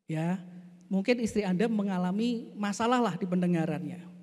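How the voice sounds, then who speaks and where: A preacher voicing a calm male doctor giving patient, measured advice in a low, soft voice. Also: natural voice. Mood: advising. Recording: echoey church hall.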